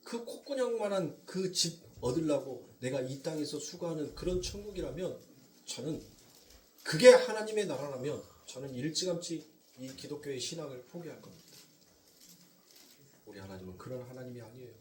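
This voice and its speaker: A male pastor with a Jeolla accent preaching a sermon, swinging from loud emphasis to near whispers and slowing down on key points. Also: on the high side, expressive, reverberant, far from the mic, slight background noise. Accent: Jeolla Korean. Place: church sanctuary.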